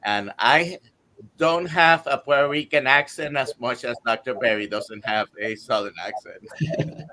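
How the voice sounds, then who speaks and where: A man in his sixties talks as a guest doctor on a live stream. His voice sits at an ordinary middle pitch. He moves haltingly, with fillers, and runs through a list of items. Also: pushed and bright, slight background noise, poor audio. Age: 60s. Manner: halting, many fillers, lists items briskly. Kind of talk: casual testimony on a live stream.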